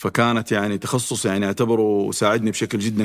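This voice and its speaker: Heard in a very clean recording with a silent background, a man talks at a fairly quick pace and a medium pitch. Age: 40s. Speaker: management consultant and trainer. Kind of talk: interview conversation. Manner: animated; talkative.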